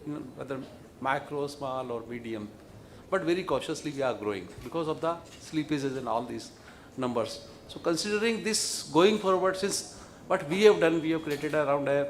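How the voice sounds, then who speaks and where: A man's voice: on the high side, animated, moderate pace. A man with an Indian accent answering questions as a bank executive, emphatic and repeating words. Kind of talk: question-and-answer with press or analysts. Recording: clear background noise, room ambience.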